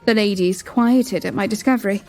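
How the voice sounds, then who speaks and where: A woman narrating a palace story in first person, gentle and wistful, over soft music. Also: mid-range voice, normal speed. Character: queen narrating her own story.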